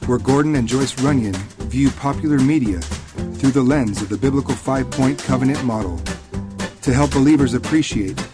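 A man's voice: medium pitch, moderate pace. A man reading a formal scripted introduction for a podcast. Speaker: show announcer. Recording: voice over guitar music.

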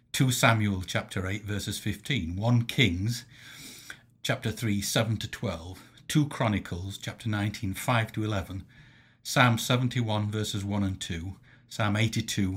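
A man reading a formal, scripted theological lecture in a measured, didactic way, setting off quotations with emphasis. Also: fairly low pitch, a bit bright, slightly rough. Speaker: Christian lecturer.

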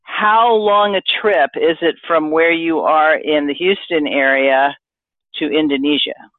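A woman hosting an interview podcast, asking questions in a measured, conversational way. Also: low-pitched, fairly even intonation, no room sound. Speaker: podcast host. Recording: tinny phone-line sound.

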